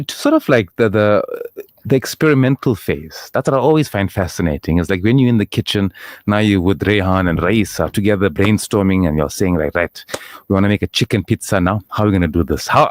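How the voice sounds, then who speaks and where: Guy hosting radio, low voice, talks fast, dry studio mic. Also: no room sound. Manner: chatty, excitable, quick banter. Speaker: radio show host. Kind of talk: casual radio interview. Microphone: studio microphone.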